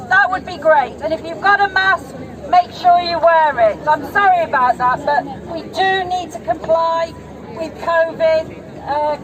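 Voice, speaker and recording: A woman organizing a street protest, speaking directly to the crowd with appeals and instructions. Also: very high-pitched. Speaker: rally organizer. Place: outdoor street rally.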